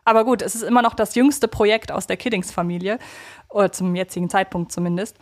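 A woman's voice: medium pitch, fairly even intonation, fast, a little mellow. A woman co-hosting a casual fan podcast, chatty and thinking aloud as she rephrases her points. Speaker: podcast co-host.

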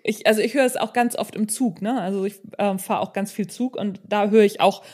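A woman's voice: medium pitch, steady tone, a little fast, darkish tone. Chatty woman hosting a podcast. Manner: chatty, informal, addresses listeners directly. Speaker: podcast host and interviewer. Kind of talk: casual conversational interview and podcast outro.

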